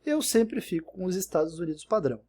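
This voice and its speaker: Guy teaching english, kinda high but mellow voice, patient, keeps saying né. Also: lively intonation, fast talker, breathy edge. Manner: patient and explanatory, often checking in with "né?". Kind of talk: recorded screen-share lesson.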